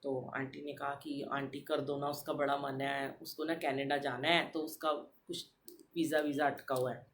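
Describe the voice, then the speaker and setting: A woman's voice: a bass voice, normal speed, a little hiss or hum. Middle-aged woman telling a devotional story. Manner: animated, addresses listeners as sangat ji. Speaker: satsang podcast host.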